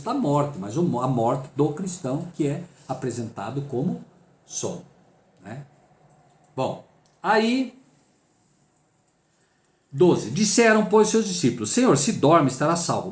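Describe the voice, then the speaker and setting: A man's voice: fairly high pitch, echoey room. A man with a Brazilian accent leading a Bible study, emphatic and full of rhetorical questions he answers himself.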